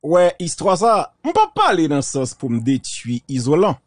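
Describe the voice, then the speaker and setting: A man gives measured, reflective commentary, mixing French and Creole. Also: fairly high pitch, very animated, no room sound.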